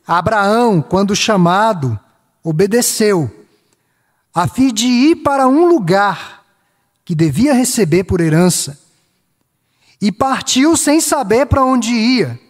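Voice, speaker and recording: High-voiced Brazilian pastor preaching in a reverberant hall. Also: male voice, expressive. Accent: Brazilian Portuguese, Minas Gerais. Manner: measured preaching, lists in slow cadence, rising emphasis on key phrases. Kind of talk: sermon.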